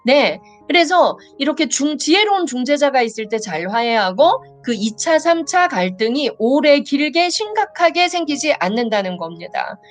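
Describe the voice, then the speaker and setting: A woman's voice: high-pitched, moderate pace, hardly any pauses, soft background music. A woman giving a live lecture on family communication, talking emphatically, repeating her points and dropping in frequent short affirmations. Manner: animated, emphatic, acts out example dialogues and repeats points; frequent affirming "yes" fillers.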